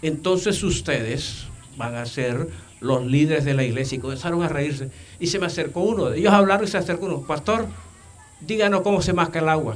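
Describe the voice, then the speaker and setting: Fairly high male voice with lively intonation and a fairly quick pace, plus noticeable background noise and audible room echo. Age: 70s. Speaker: pastor. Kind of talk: sermon. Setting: church.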